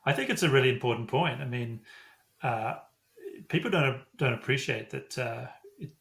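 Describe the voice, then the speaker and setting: A man's voice: mid-range voice, animated, normal speed, vocal fry, a bit bright. A man hosting a podcast interview, conversational and affirming, laughing readily. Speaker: podcast host. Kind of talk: casual interview chat.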